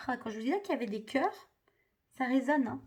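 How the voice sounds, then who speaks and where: A woman's voice: high voice, animated, a little fast. A woman doing a spiritual card reading for viewers, hesitant and full of fillers and restarts. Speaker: tarot card reader.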